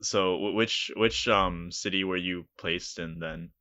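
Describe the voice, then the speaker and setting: A man's voice: low voice, steady tone, unhurried, sharp tone, dry recording, lo-fi sound. A man co-hosting a casual podcast interview, asking easygoing questions and laughing often. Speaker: podcast co-host.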